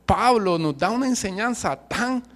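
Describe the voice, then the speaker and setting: A man preaching with a Puerto Rican accent, passionate and emphatic, dropping casual slang and jokes into his sermon. His voice sits high for a man, rising to forceful peaks as he presses each point. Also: lively intonation, normal speed. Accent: Puerto Rican Spanish. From Puerto Rico. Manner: passionate, emphatic, uses colloquial slang and humor.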